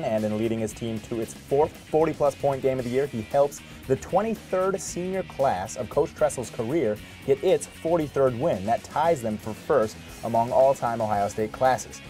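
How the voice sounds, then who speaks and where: A man reading a scripted sports highlights voice-over in a punchy, wry manner packed with statistics. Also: lively intonation, normal speed, hardly any pauses, warm tone. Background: music bed under the voice.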